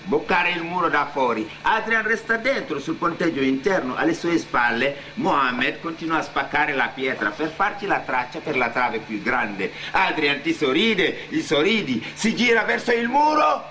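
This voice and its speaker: A man's voice: a little high, lively intonation, normal speed, hardly any pauses, sharp tone, a little hiss or hum. A man working as an actor-narrator, telling a story in dramatic theatre style. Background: music under the voice.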